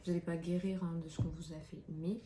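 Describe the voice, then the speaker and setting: Reading oracle cards in a room with an open window letting in faint street noise, this tarot card reader chats casually, with plenty of fillers and restarts. Her voice is on the low side and dark in tone, her delivery flat and fast.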